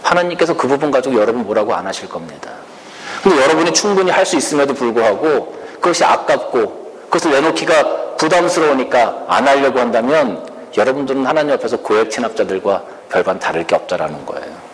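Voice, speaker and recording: A man preaching a sermon slowly and earnestly, asking the congregation rhetorical questions. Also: mid-range voice, animated. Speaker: pastor. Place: church sanctuary. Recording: reverberant church hall with faint room noise.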